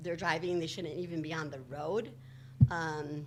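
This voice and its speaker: A woman's voice comes with audible room echo. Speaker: resident giving public comment. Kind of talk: public comment at meeting. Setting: village board meeting. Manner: loud.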